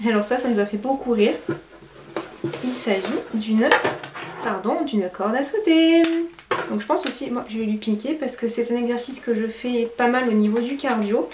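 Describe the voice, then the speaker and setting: A woman vlogger chatting through a casual product review, hesitant with fillers and quick self-corrections. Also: on the high side. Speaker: lifestyle vlogger. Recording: roomy echo, faint background noise.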